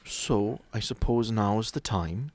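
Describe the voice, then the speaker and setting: A man's voice: fairly low pitch, a little slow, a little mellow, dry recording. A man voicing a stern, protective female sanatorium caretaker in a tabletop game, speaking in a formal, wary way. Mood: guarded.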